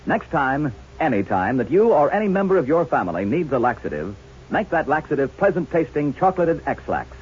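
A chipper male announcer sells in the manner of a 1950s radio ad. His husky voice swings with lively pitch. The sound is a muffled, vintage broadcast. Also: fairly quick. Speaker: commercial announcer.

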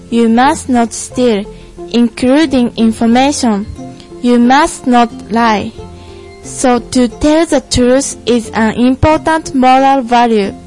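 A woman's voice: fairly high pitch, darkish tone. A young woman playing an earnest Jewish panelist from Israel in a scripted student stage play, over music. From Japan. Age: young adult. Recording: music behind the voice.

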